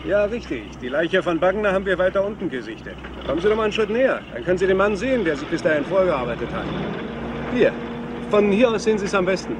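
An actor playing a matter-of-fact mountain police sergeant in a German crime radio play, explaining things practically. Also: male voice, sits high, very animated, fast talker. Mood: businesslike. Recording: noisy outdoor car ambience.

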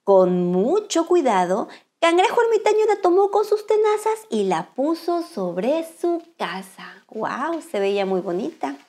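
A woman reading a picture book aloud to children in a bright, sing-song, expressive manner. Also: high-pitched, a little slow, hardly any pauses. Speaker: children's storyteller, channel host.

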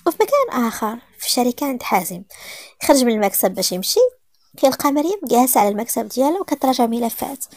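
A woman with a Moroccan accent narrating a romance story in a rapid, lively reading. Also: fairly high pitch, no room sound, clean studio sound.

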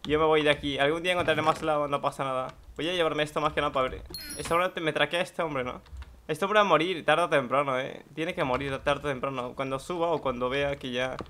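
A young man narrates his match as he plays, pitched a little high with a bright, forceful tone. He swears freely and breaks into sudden excited shouts. Soft keyboard clicks sit faintly in the background. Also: fast, slight background noise. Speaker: gaming YouTuber. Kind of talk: live gameplay commentary.

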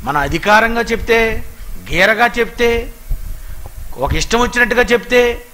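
A man preaching a sermon with an animated manner, asking his listeners question after question. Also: extremely high pitch, unhurried, poor audio.

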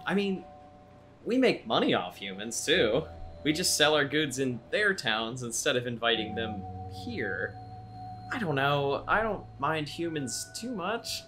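A man's voice: medium pitch, sing-song, measured pace, pushed and bright, soft background music. A man playing a blunt, curious young small-town guy in an audio drama, with casual, folksy talk. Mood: frank, casual.

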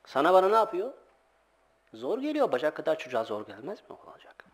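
Leading a relaxed monthly talk, a middle-aged religious teacher shifts between plain teaching and stories, voicing the people in them. His voice sits a little high for a man, he talks quickly, and he laughs now and then through the animated anecdotes.

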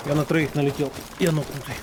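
A man's voice: fairly high pitch, flat delivery, quick pace, heavy background noise. A man on gaming voice chat, giving short, clipped callouts. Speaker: gamer.

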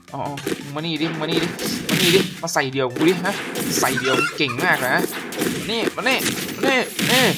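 A man giving casual gameplay commentary as a gaming YouTuber, excitable and profane, often shouting at the enemies on screen. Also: fairly high pitch. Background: game music.

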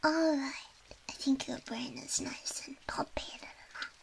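A woman in a whispered role-play as a quirky, soothing, slightly shady surgeon, talking gently and playfully as if giving personal attention. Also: high voice, measured pace, creaky. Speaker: ASMR performer playing a doctor.

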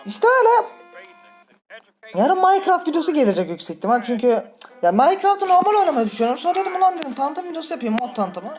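A Turkish-accented woman chatting through a horror game, her voice swinging widely in pitch as she talks and swears. She keeps breaking into startled, high shrieks. Faint game music runs underneath. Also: sing-song, rapid-fire, darkish tone. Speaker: gaming channel host. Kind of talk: let's play commentary.

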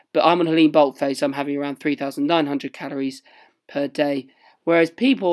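Young man, husky hoarse voice, fairly high, earnest explainer. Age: young adult. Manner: earnest, explanatory, self-deprecating. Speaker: fitness vlogger. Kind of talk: casual vlog chat and voice-over. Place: home, small room.

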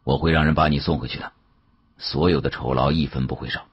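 A man voicing a very deep, shrewd bureau chief. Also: steady tone, breathy edge, no room sound, muffled recording, exaggerated voice. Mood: coolly commanding. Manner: unhurried, teasing, authoritative. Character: shrewd senior male bureau chief, genial, testing, commanding.

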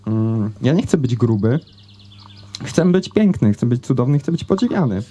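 At an outdoor festival, a young man tells the crowd a story from his life using a handheld mic. His warm, mid-range voice moves at a moderate pace with big pitch swings, and his chatty delivery is full of hesitations and fillers.

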